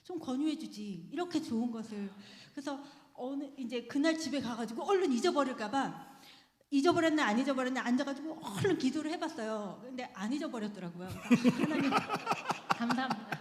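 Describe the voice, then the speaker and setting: A woman's voice: high voice, animated, fairly quick, darkish tone. A woman giving a personal testimony in church, chatty and earnest, often laughing as she speaks. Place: church sanctuary. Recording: echoey church hall with long reverb.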